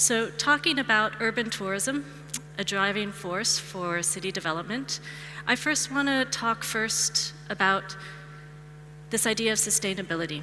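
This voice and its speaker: Noticeable background noise runs under the recording. The speaker has an American accent and lively intonation. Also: woman. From United States. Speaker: tourism and marketing advisor. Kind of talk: conference talk.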